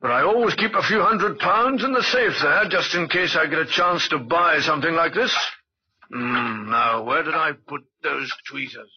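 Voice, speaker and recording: An actor playing a fussy, absent-minded older jeweller, husky and musing, in an old-time radio drama. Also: male voice, fairly high pitch, normal speed. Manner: musing, muttering. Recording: dull, lo-fi vintage radio recording.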